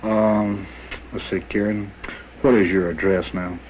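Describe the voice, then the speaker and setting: Man playing police officer, lowish voice, measured, businesslike, faint old film noise. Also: steady tone, darkish tone, close to an everyday voice, rough recording. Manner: measured, questioning. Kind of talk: 1970s training film acting.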